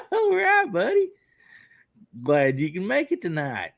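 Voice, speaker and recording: A man hosting a live podcast, folksy and quick to laugh. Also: sits high, wildly swooping pitch, vocal fry, a little hiss or hum. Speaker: podcast host.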